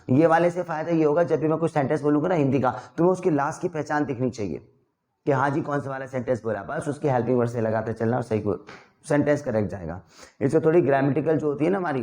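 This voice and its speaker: A young man teaching spoken English in a classroom, firing off practice sentences at a quick clip for the students to translate. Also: medium pitch, a little mellow. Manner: brisk, rapid-fire drilling sentences. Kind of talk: classroom drill lesson. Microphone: recorded in a classroom.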